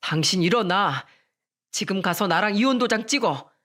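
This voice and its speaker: Woman acting furious husband, shouting, curt, story radio drama. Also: mid-range voice, lively intonation, normal speed, natural voice. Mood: angry. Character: angry younger husband, man in his thirties.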